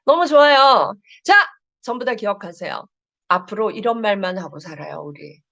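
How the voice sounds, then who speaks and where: A woman counselor gives a live-streamed lecture, asking her audience questions and reading their chat comments aloud with lively expression. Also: medium pitch, normal speed, creaky, no echo.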